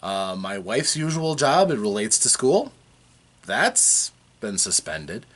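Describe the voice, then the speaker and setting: A man talking casually to his viewers from his basement, rambling with frequent fillers and restarts, his voice still a bit rough from a recent cold. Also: fairly low pitch, big pitch swings, slow pace, a bit bright. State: recovering from a cold, slightly rough voice. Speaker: vlogger. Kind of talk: casual chat to camera. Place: home basement.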